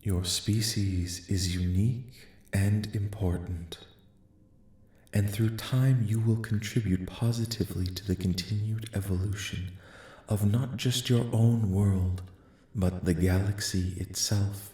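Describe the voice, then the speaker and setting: A man playing a calm, benevolent alien envoy in a soft-spoken ASMR roleplay, speaking formally and solemnly in a measured, soothing way. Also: fairly low pitch. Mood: calm, gracious. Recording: echoing, reverberant voice track.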